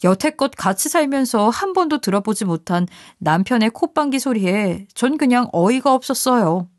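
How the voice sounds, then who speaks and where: A woman's voice: fairly high pitch, expressive, moderate pace, dry recording, clean studio sound. A woman narrating a first-person story in a confiding, scripted manner.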